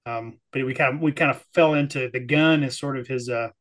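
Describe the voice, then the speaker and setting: A man from the Texas-Oklahoma area, a player recapping a tabletop game in casual chat, halting and repeating words. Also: mid-range voice, steady tone, fairly bright tone.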